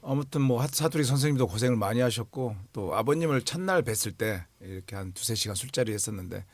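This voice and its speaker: A man in his forties, an actor, talking earnestly about a role in an interview, pausing often to find his words. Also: medium pitch, expressive, dry recording. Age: 40s. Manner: earnest, searching for words with many fillers. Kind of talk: film promotion interview.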